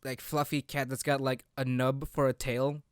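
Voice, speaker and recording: Smooth, dry-sounding young man, halting delivery. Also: mid-range voice, level tone, no echo. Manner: halting, repeats himself. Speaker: co-host of a gaming discussion. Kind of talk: casual unscripted chat.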